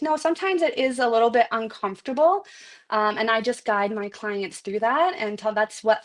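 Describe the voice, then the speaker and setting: A woman talking as a guest Reiki master teacher in a casual podcast conversation, chatty and full of "like" fillers. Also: medium pitch. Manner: chatty, heavy use of "like" fillers.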